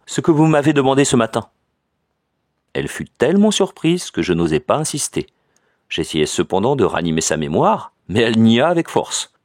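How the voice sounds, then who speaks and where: A man narrates a classic tale in a low, expressive voice that moves a lot in pitch. The reading is measured and literary. The recording is dry and close, with no room sound. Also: dry recording. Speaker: audiobook reader. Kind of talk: audiobook narration.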